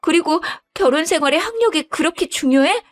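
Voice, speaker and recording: A whiny, stammering young wife, a schemer who wheedles and begs in a high, reedy voice, as a woman puts her on for a spoken story, with faint music under it. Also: animated, brisk. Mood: pleading. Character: pleading scheming young wife, daughter-in-law.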